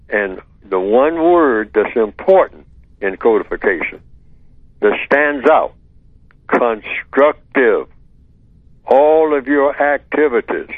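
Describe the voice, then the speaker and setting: An older man on a call-in radio show, explaining his ideas in a measured way and repeating key words for emphasis. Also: on the low side, dry recording. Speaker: radio show guest answering callers. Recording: tinny phone line, dry.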